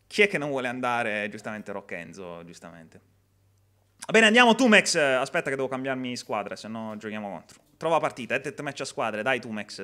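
A man's voice: mid-range voice, pushed and bright. A young man hosting a live gameplay stream, chatting and reading viewer comments in a jokey way. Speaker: game streamer.

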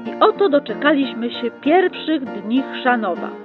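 A woman narrating a library chronicle in a brisk, upbeat old-newsreel announcer manner. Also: high-pitched, expressive, phone-quality sound. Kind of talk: mock 1960s newsreel narration. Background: plucked guitar music.

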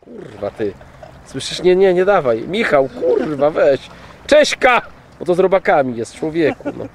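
A man's voice: on the high side, sing-song, moderate pace, darkish tone, slight background noise. A man chatting casually outdoors on a boat while fishing, swearing freely and cooing affectionately at his dog. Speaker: vlogger.

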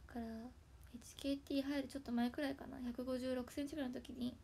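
A young woman with a Hakata dialect, chatting casually on her livestream from home and thanking viewers, often slipping into soft whispery asides. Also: high-pitched, flat delivery, quick pace, creaky. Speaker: idol livestream host. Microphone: tablet built-in mic.

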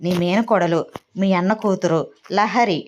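A woman voicing a patient grown son who calmly explains family news in a home drama story. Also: on the low side, a little slow, lo-fi sound, slight background noise, lightly acted. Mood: explaining.

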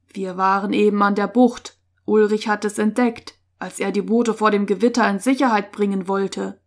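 A woman voicing a boy camper in a Christian story for children, speaking in a near-toneless hush. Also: medium pitch, steady tone, moderate pace, lightly acted. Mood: shaken. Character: young boy camper Marty.

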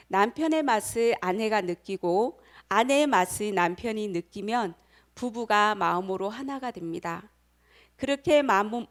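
A middle-aged woman giving a motivational lecture, telling a personal story and speaking directly to her audience. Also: mid-range voice. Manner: acts out quoted voices.

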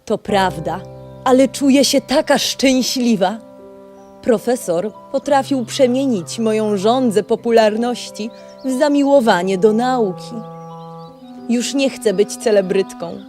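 A woman's voice: a little high, unhurried, darkish tone, faint music behind, lightly acted. A woman voicing an earnest, dreamy female tortoise in a children's audio play. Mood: content.

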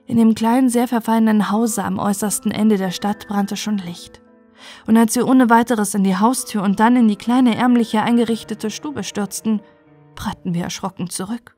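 A woman storyteller narrating a bedtime story in a calm, gentle way. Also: mid-range voice, moderate pace, faint music behind.

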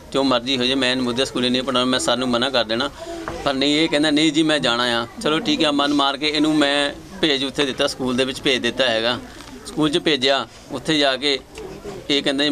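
A man's voice: mid-range voice, pushed and bright, a little hiss or hum. A middle-aged Punjabi man telling his son's story in a conversational, repetitive way, often quoting himself and his son. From Punjab, India. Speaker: father of a young dancer. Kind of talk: recounting family story.

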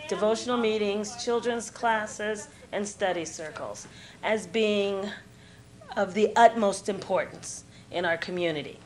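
A woman's voice: mid-range voice, a little slow, slight background noise. A middle-aged woman explaining community work in an indoor interview. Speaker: local assembly member.

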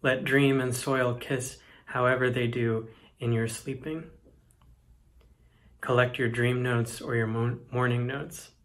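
Very slow, even-toned young man reading. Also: medium pitch. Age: young adult. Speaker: poetry reader. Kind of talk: reading a poetic text aloud. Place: indoors, plain room.

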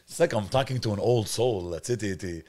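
A man with a Quebec French accent hosts a casual podcast interview. His voice sits low for a man, and he talks in a relaxed way, dropping English phrases into his French. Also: moderate pace. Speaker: podcast host.

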